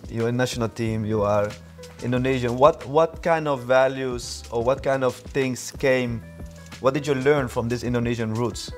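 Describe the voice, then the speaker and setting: A man's voice: mid-range voice, normal speed, few pauses, faint music behind. A man hosting a casual podcast interview, asking friendly questions with some restarts. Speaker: podcast host.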